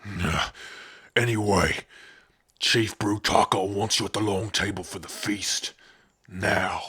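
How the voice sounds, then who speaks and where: A surly orc guard, put on by a man, blunt and sneering but loyal underneath. The voice is very raspy and fairly low, with a hard, forceful edge, in an ASMR fantasy roleplay. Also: fairly even intonation, slow, full character voice. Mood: curt, scornful. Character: surly, taunting orc gate guard, loyal brother-in-arms.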